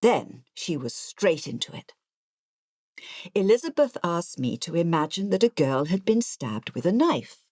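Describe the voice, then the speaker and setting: Audiobook narrator: elderly English ex-nurse, artless and confiding, low register, lively inflection, dry close sound. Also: female voice, unhurried, no room sound. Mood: confiding, chatty. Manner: confiding, digressive, matter-of-fact. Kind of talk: audiobook first-person narration.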